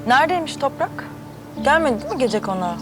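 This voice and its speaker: A woman's voice: high-pitched, expressive, fast talker. An actress playing a scheming young woman who coaxes others with honeyed, friendly words. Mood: coaxing. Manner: honeyed, coaxing. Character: scheming young woman, sweet-talking manipulator. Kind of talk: TV drama acting. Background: music.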